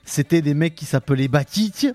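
A man's voice: on the high side, moderate pace, a little mellow, dry recording. A man from the Basque Country, teasing and swearing in casual banter. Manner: crude, mocking and teasing. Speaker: co-host.

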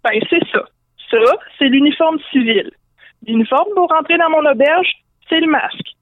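A woman's voice: sits high, normal speed, no room sound, pitched above the performer's own voice, close to an everyday voice. A woman voicing a blunt, sarcastic male innkeeper who talks in casual slang, with a Québécois French accent. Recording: dry narrow phone-line sound.

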